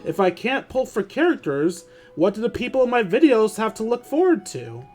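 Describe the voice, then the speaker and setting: A man's voice: high-pitched, sing-song, moderate pace, a little mellow. A man doing casual livestream game commentary, talking informally with swearing and grumbling. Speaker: video game streamer. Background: music.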